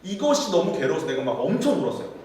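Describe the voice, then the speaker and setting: A man, a pastor, telling a candid personal story in a sermon testimony, in an animated storytelling manner. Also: on the high side, racing, a little hiss or hum. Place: church sanctuary. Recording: very echoey hall, distant mic.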